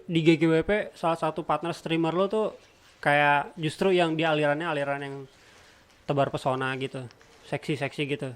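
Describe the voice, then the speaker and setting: A man's voice: a little high, steady tone, normal speed. A man hosting a casual podcast, asking prodding questions. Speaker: podcast host.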